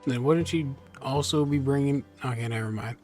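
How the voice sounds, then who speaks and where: A man's voice: mid-range voice, normal speed, darkish tone, faint music behind. A man giving casual, wry game commentary as a streamer, at times reading on-screen text aloud. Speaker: gameplay streamer.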